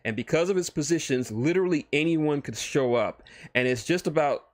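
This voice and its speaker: A man talking casually and reading a story on a livestream, informal and halting, often correcting himself. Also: on the high side, dry recording. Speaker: streamer and fan fiction writer.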